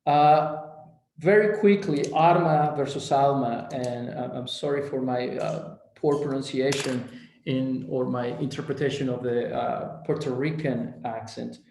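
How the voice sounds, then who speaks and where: A man's voice: mid-range voice, a little slow, gravelly, darkish tone, reverberant, slight background noise, rough recording. A man from Mexico, a clinician giving a recorded presentation, who retells patient dialogue and often restarts and repeats his words.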